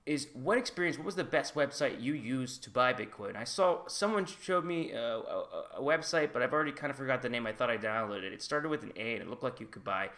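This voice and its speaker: Bright-voiced guy vlogging. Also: medium pitch, animated, fairly quick, hardly any pauses. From United States. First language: English. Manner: chatty and candid, hedging with "like" and "I guess". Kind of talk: casual talk to camera.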